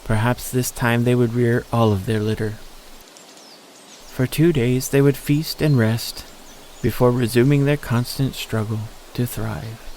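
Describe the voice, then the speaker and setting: A man's voice: mid-range voice, steady tone, unhurried, a little mellow, a little hiss or hum. A man narrating a scripted story in an audio drama.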